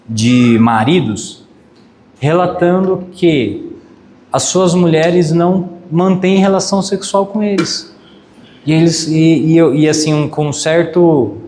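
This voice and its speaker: Brazilian pastor, animated storyteller. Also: male voice, a little high, a little hiss or hum. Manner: animated, emphatic storytelling with sound effects. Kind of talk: sermon with humorous anecdote.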